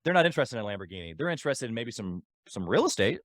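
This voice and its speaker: A man's voice: mid-range voice, big pitch swings, very fast, a bit bright, no echo, clean studio sound. A man hosting a podcast interview, speaking in an enthusiastic, affirming, motivational way. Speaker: podcast host.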